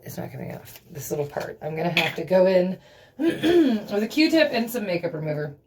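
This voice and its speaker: A woman's voice: lowish voice, sing-song, moderate pace, slight background noise. A young woman vlogging casually, rambling and giggling nervously as she talks to the camera, swearing often. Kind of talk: casual beauty vlog.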